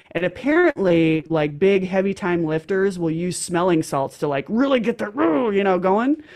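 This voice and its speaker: Lively in intonation, a woman with an American accent talks at a moderate pace in a medium pitch over noticeable background noise. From Michigan, Flint. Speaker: comedian and former radio host. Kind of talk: casual chat.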